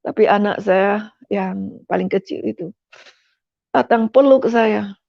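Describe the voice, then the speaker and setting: Gravelly-voiced middle-aged woman giving testimony. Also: mid-range voice, slow pace, darkish tone, dry recording. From West Sumatra, Indonesia. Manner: emotional storytelling, often addressing listeners as "Saudara". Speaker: testimony speaker. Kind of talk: personal faith testimony. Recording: dull, dry lo-fi sound.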